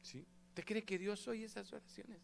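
A man preaching a sermon as pastor, lively and acting out the prayers he describes. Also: high voice, moderate pace, gravelly, a little hiss or hum. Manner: animated, acts out quoted prayers and voices.

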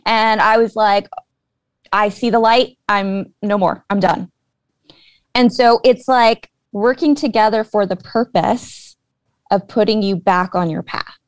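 A woman's voice: mid-range voice, a little slow, no room sound. A woman guest earnestly explaining her beliefs in a casual conversation, with many fillers. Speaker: guest, spiritual intuitive.

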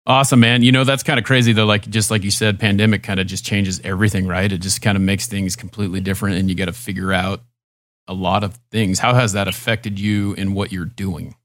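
A male podcast host with a low voice, talking over a remote call. He keeps things laid-back and casual, and the sound is dry and close. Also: steady tone, fairly quick, fairly bright tone, no echo. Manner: laid-back, loose phrasing. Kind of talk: casual interview hosting.

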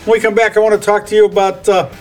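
High-voiced stammering man hosting an interview. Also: flat delivery, racing, faint music behind. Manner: rambling, stammers and repeats words, folksy. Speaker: podcast host. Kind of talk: casual interview chat.

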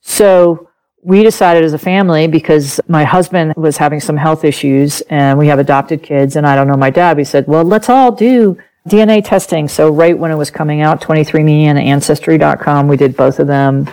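Woman, first language German, middle-aged, animated storyteller, laughs often, gravelly voice. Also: sits low, normal speed, poor audio. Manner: animated, laughs often, acts out quoted speech. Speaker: podcast guest, author. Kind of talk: personal storytelling in an interview.

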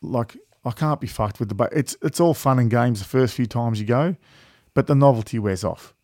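A man's voice: medium pitch, moderate pace, darkish tone, dry recording, clean studio sound. A man with an Australian accent chatting casually as a podcast host, telling anecdotes in a blokey, laid-back, sweary way.

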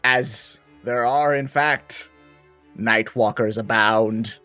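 A man's voice: mid-range voice, takes it slowly, sharp tone, faint music behind. A man narrating a tabletop role-playing game as game master, in an easygoing way that often breaks into laughter.

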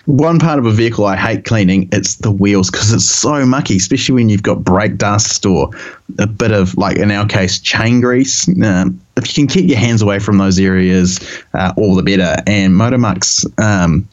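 A man's voice: fairly low pitch, normal speed. A man with a New Zealand accent co-hosting a podcast, chatting in a laid-back, rambling way. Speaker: podcast co-host. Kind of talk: casual chat. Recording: dull lo-fi sound.

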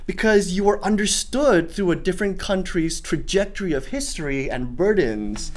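A young man from Singapore with a learned American accent, an actor talking through an interview in an animated way, often restarting phrases and voicing the people he quotes. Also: sits high, normal speed. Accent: General American, learned. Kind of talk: casual interview.

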